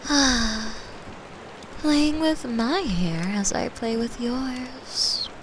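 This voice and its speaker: A woman performs a gentle being from another dimension, lonely and tender, in a comforting ASMR roleplay. Her words come extremely slowly, breathy and soft, often sinking into whispers. A faint rain-like ambience sits behind the voice. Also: fairly high pitch, a little hiss or hum. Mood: affectionate, soothing.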